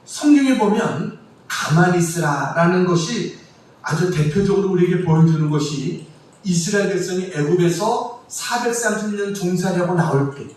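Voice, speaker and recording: A man preaching from the pulpit in a high, ringing voice, throwing rhetorical questions at his congregation and calling them to read scripture with him. He sounds distant from the mic, his words bouncing around a very reverberant church sanctuary with faint room noise underneath. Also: a little mellow. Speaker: pastor. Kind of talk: sermon.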